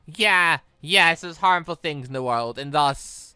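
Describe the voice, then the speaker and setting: A man giving casual, animated let's play commentary with exclamatory reactions as he reads a visual novel aloud. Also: a little high, a little slow, smooth, no room sound, clean studio sound, faint music behind.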